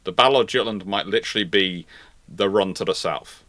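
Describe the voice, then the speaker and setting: A man answers viewer questions as a live commentary host. His voice is fairly low yet bright and forceful, recorded very dry. He halts, repeats and reworks phrases while thinking aloud. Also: a little fast, no room sound. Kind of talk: live Q&A naval history commentary.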